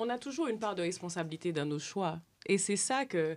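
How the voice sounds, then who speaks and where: A woman's pitch rises and falls very widely on a very clean recording with a silent background. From Haiti. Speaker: filmmaker. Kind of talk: casual chat.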